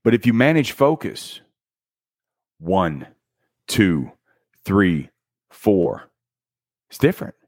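Emphatic motivational man, lively swings. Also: deep voice, slow, pauses often, dry recording, studio quality. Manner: energetic and emphatic, with dramatic counting and punchy one-word beats; casual slang like "dude" and "bro". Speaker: book summary host. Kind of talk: motivational book commentary.

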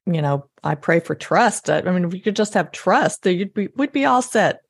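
A woman's voice: fairly low pitch, expressive, moderate pace, no echo, studio quality. A woman hosting a faith podcast, speaking, affirming and eager, often speeding up in bursts. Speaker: podcast host. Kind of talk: casual faith interview.

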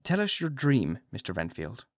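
A man voicing a stern elderly male professor who speaks in a quiet, grave tone. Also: medium pitch, lively intonation, a little slow, dry recording, studio quality.

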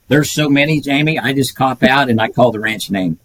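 A man's voice: mid-range voice, a little fast, no echo, rough recording. An older man, telling folksy stories as a podcast guest and chuckling often. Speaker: guest, retired pedigree reader. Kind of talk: casual podcast chat.

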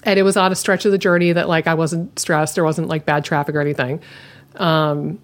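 A woman with a slightly low voice talks casually on a podcast. She rambles comfortably and scatters "like" and "you know" through her sentences as she works through her thoughts. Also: flat delivery, a little fast. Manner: chatty, lots of "like" fillers. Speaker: podcast co-host. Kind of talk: casual chat.

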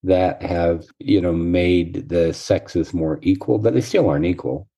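A man speaking as a therapist guest in a casual podcast chat, congested from a cold, reflective and measured in tone. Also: mellow. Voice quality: deep, husky.

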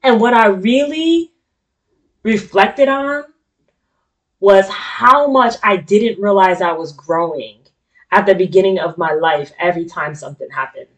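A middle-aged woman with an African American accent hosts a talk show, giving a casual, candid personal monologue to an audience in informal, slangy, conversational language. Her mid-range voice moves at a measured pace, and the audio is poor.

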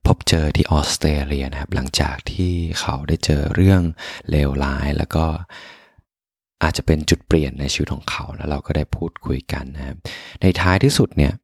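A soft-spoken man hosting a podcast, telling personal stories as unhurried, reflective bedtime pillow talk. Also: extremely low pitch, fairly even intonation, husky, no echo, studio quality. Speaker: podcast host.

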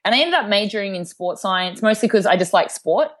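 A woman's voice: medium pitch, animated, a little fast. A woman with an Australian accent, a podcast guest chatting in an upbeat way with frequent ums and you knows. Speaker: guest, fitness trainer. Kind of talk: casual interview chat.

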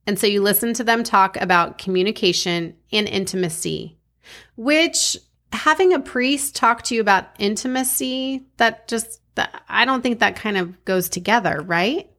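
A woman's voice: mid-range voice, normal speed, fairly bright tone. An American woman co-hosting a podcast, chatting casually and jokingly as she tells a story. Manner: joking, bantering. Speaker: podcast co-host. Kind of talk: casual true-crime storytelling chat.

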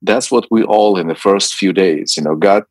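Man, middle-aged, deep voice, dry close sound, halting interview answers. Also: no room sound. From Ukraine. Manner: hesitant, many fillers and restarts. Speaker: ministry president, guest. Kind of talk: radio interview.

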